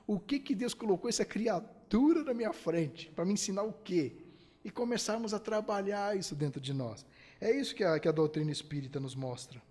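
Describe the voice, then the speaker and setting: A husky, fairly high-pitched man from Brazil delivers a spiritist lecture. He keeps asking his listeners rhetorical questions. He acts out little quoted exchanges between people. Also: lively intonation, fairly quick, darkish tone, long reverb tail.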